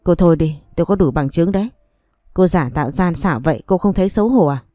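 A woman's voice: fairly low pitch, fast talker, dry recording, clean studio sound, soft background music, lightly acted. A woman reading a story aloud, voicing a stern young husband who speaks to his wife in a cold, accusing way. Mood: reproachful. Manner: cold, accusing, flatly reproachful.

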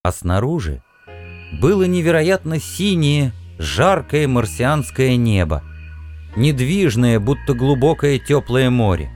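A man narrating a story in an expressive audiobook reading. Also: medium pitch, takes it slowly, soft background music.

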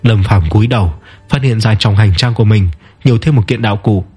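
A man narrating a fantasy story in a steady, measured way. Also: on the low side, breathy edge, soft background music.

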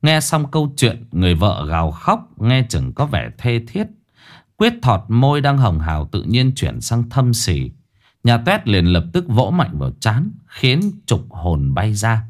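A man narrating a folksy ghost story in a lively way. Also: medium pitch, a little slow.

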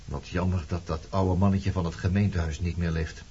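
An actor playing a bitter, accusing former resistance man in a Dutch radio drama, sardonic and deliberate as he probes. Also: low-pitched, level tone, warm tone, breathy edge. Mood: grim, probing. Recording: dull lo-fi radio play recording.

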